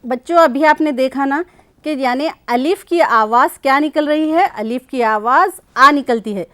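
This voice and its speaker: A woman's voice: high-pitched, fairly bright tone, no room sound. Patient woman teacher with a dry voice. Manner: explains patiently, asks questions and repeats sounds slowly. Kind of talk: classroom lesson for children.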